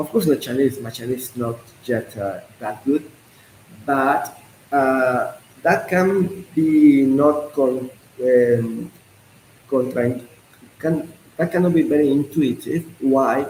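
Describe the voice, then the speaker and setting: Noticeable background noise sits behind a man with a fairly high pitch and ordinary pitch variation. He speaks very slowly, with long, frequent pauses. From Mexico. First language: Spanish. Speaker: YouTuber, expat vlogger. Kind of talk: live stream talk to viewers. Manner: halting, with pauses and restarts.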